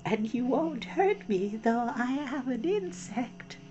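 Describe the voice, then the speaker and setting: Woman doing a tiny gnat, high small voice, soft and hushed, wistful, pleading, storybook creature. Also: very animated, takes it slowly, dull audio, faint music behind. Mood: plaintive. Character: tiny sad male gnat, plaintive and joking.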